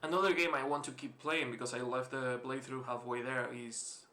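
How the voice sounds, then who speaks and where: Gaming host, male, Spanish-influenced accent, bright edgy voice, loose swearing play-along chatter. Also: mid-range voice, fairly even intonation, moderate pace. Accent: mixed, Spanish-influenced. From Spain. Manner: rambling, swears freely, chuckles often. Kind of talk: casual let's-play commentary. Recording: roomy echo, faint hiss.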